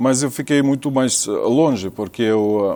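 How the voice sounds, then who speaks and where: In a Russian accent, a man with a dark, mellow tone and medium pitch speaks at a fairly slow pace. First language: Russian (speaking Portuguese). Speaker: recovering addict, former translator. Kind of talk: interview. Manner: halting, many fillers.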